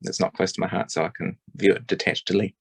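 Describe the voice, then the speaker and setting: A man's voice: sits low, level tone, fast, vocal fry, husky, no room sound. A man giving a rambling, hesitant spoken submission at a public forum, with many ums and restarts. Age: adult parent.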